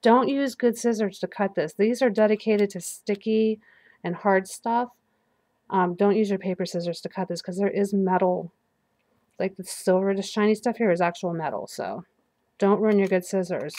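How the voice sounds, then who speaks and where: A woman's voice: medium pitch, normal speed, mellow, no echo. Chatty woman getting over flu. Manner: chatty, self-talking while working, laughs at slips. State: recovering from flu. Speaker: crafting video host. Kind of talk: casual crafting demonstration. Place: craft table indoors. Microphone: overhead camera above work table.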